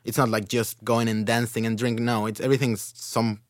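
A man from Chile chatting on a podcast, loose and rambling, leaning on fillers as he talks. His voice sits at an ordinary pitch and is recorded dry and close, with no room sound. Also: a little fast, no echo. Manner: relaxed, rambling, lots of fillers. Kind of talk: casual podcast chat.

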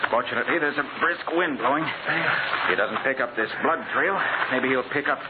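An actor playing a resolute private detective in 1940s radio drama style, giving brisk, authoritative orders. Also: male voice, mid-range voice, natural voice. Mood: grave, explanatory. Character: commanding male private detective, urgent and resolute. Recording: noisy, narrow-band 1940s radio recording.

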